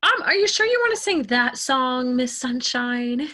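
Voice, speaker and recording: Comedy sketch: actress as tactful, strained woman teacher, high bright voice, anxious and polite. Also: expressive, measured pace, exaggerated voice. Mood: uneasy. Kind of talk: comedy sketch staged reading.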